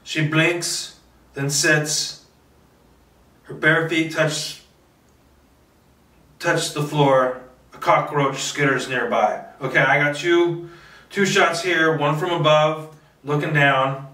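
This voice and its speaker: A filmmaker holding a solo table read speaks slowly with frequent pauses, his sharp, fairly high voice mostly even in intonation. He rambles to himself casually, playfully boastful and occasionally swearing, recorded on a distant microphone in a room with echo.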